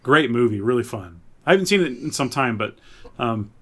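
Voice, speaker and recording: A man's voice: medium pitch, animated, brisk, a bit bright. A man co-hosting a casual pop-culture podcast, talking like an enthusiastic fan and thinking aloud as he goes. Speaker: podcast co-host.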